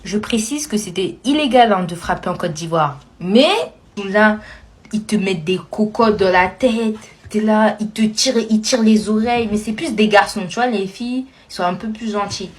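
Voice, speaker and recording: Brief: woman vlogger, casual comic storytelling, lively slangy delivery. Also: mid-range voice, normal speed. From France.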